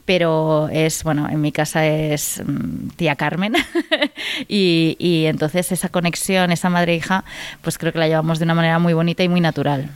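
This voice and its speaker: An actress from Spain talking warmly and eagerly about her first leading role, with frequent fillers and restarts. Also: low voice, fairly even intonation, moderate pace, clean tone, dry recording. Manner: enthusiastic, many fillers and restarts. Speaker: actress, interview guest. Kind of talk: casual interview answers.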